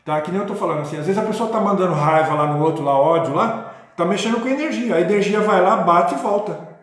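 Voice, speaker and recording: High-voiced man in a very echoey room. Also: quick pace. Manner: rambling, many restarts and tag questions. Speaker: video host. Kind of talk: casual spoken talk on spirituality.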